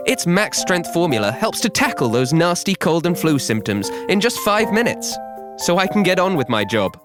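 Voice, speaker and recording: A man reading scripted narration as a professional voiceover artist, measured and clearly articulated. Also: high voice, very animated, over music. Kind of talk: scripted narration for audiobook, documentary and adverts.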